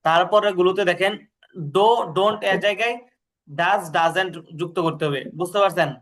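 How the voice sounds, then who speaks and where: A man's voice: high-pitched, fairly even intonation, a bit bright. A man tutoring English grammar, patiently repeating drills and checking that the student understands. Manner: reads English sentences slowly, then gives the translation. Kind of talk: explaining grammar in a lesson.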